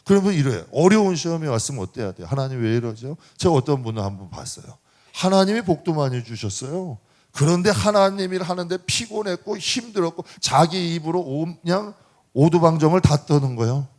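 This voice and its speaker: A middle-aged man preaching a sermon as pastor, talking to the congregation in a lively, conversational way and asking them frequent rhetorical questions. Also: fairly high pitch, fairly quick. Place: church sanctuary.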